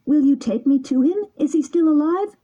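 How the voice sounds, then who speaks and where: A woman voicing a desperate, impulsive wooden boy puppet, pleading in a high tearful voice. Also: moderate pace, mellow, close to an everyday voice. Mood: eager. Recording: dull lo-fi recording.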